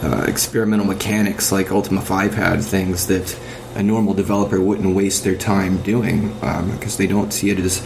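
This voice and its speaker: Low-voiced man on a noisy podcast recording. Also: flat delivery, normal speed, gravelly, hardly any pauses. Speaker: podcast panelist discussing video games. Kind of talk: casual analytical discussion. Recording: noisy, dated amateur podcast audio.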